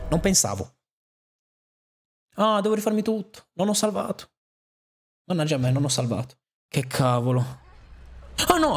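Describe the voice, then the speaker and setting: Giocatore animato, voce molto espressiva. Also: male voice, fairly high pitch. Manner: animated, jokey, talks to the game characters. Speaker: gaming YouTuber. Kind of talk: excited gameplay commentary.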